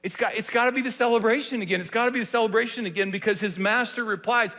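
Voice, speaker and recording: A man's voice: high voice, fast, sharp tone, big-room sound. A man preaching a sermon in a church, speaking conversationally with many rhetorical questions. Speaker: pastor. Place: church sanctuary.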